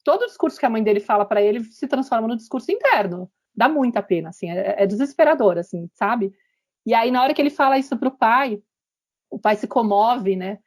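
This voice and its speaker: A woman hosting a podcast, retelling a story in a lively, animated way and acting out the quotes. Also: a little high, a little fast. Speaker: podcast host. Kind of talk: casual podcast chat.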